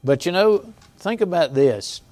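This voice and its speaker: Halting conversational male pastor preaching. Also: sits high, lively intonation, a little mellow. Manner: conversational, halting with restarts and asides to the congregation; chuckles between points. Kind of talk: sermon. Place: church sanctuary.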